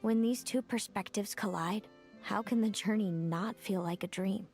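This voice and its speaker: A woman voicing a calm, knowing mysterious figure in a video game, speaking slowly and philosophically. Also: mid-range voice, close to an everyday voice. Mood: musing. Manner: slow, measured, philosophical. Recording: game audio with faint music.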